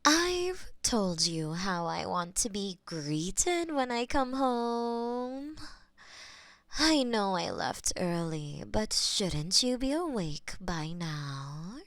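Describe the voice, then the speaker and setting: Casting: woman as a possessive female war demon, slow teasing drawl, soft whispers, dry close mic. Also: mid-range voice, very animated, no room sound, exaggerated voice. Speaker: voice actor in audio roleplay. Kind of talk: intimate audio roleplay.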